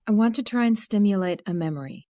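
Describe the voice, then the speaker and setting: A woman's voice: medium pitch, expressive, fast, dark tone, dry recording, close to an everyday voice. A woman playing an earnest, chatty psychiatrist. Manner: friendly, explaining, rambling.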